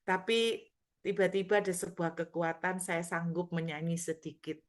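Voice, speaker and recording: A middle-aged woman pastor preaching a sermon, telling a personal story with animated delivery and acted-out quoted voices. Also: lowish voice, moderate pace.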